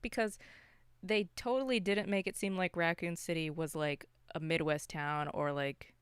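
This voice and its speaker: A woman's voice: fairly low pitch, fairly even intonation, moderate pace, clear, resonant tone, no room sound, clean studio sound. A woman co-hosting a podcast, chatting casually about movies in a wry, informal, rambling way. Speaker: podcast co-host.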